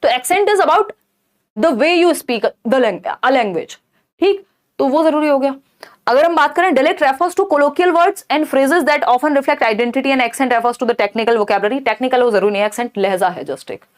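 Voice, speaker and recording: A young woman teaching a live online exam-prep class, reading questions aloud slowly and answering viewers by name in a chatty, tired way. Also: a little high. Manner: explains in Hindi mixed with English, reads questions aloud slowly.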